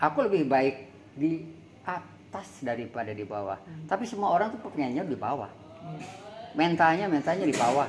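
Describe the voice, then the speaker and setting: A man's fairly high voice at a moderate pace, with very wide pitch swings, big swings in loudness, and noticeable background noise. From Sukabumi, West Java. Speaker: cultural figure, puppeteer. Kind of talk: interview answer.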